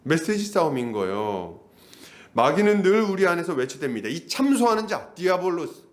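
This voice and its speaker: A male pastor preaching a sermon, lively and conversational, often asking the congregation questions. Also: on the high side, normal speed. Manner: animated, acts out voices, asks the congregation questions.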